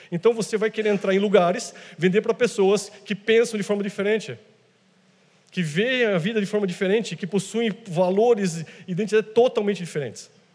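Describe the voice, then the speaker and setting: A man speaks with a high pitch. His pace is fairly quick, and his pitch varies in an ordinary way. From São Paulo, Brazil. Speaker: church conference speaker on entrepreneurship; conference speaker. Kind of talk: conference talk. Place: hall. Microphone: handheld.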